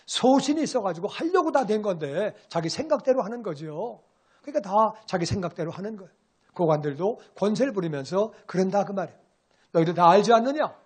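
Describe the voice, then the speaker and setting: A male pastor delivering a sermon with a high-pitched voice. He preaches in an animated, conversational way, slipping into casual asides and acting out the voices he quotes. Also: brisk, slightly rough.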